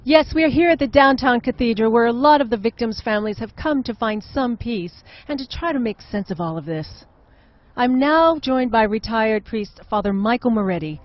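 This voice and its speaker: An actress playing a composed, earnest television news reporter delivering a live report. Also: female voice, a little high, lively intonation, normal speed, dull audio, natural voice. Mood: composed, somber.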